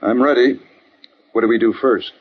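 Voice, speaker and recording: A man's voice: mid-range voice, fairly even intonation, moderate pace, breathy edge, natural voice. An actor playing an eager, earnest man who wants to become a frontier marshal, in a 1950s radio drama. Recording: dull old radio broadcast, faint hiss.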